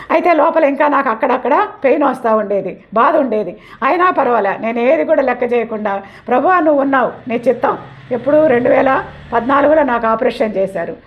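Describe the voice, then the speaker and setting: An older woman giving a personal faith testimony at church, telling her story earnestly and often repeating herself. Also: a little high. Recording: dull lo-fi recording.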